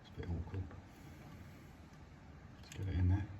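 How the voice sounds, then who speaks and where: Bloke thinking aloud while fixing stuff, lowish voice, noisy recording w clicks. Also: male voice, level tone, normal speed, dull audio. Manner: hesitant, understated, thinking aloud while working. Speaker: hobbyist presenting a radio repair. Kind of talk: casual hands-on demonstration commentary.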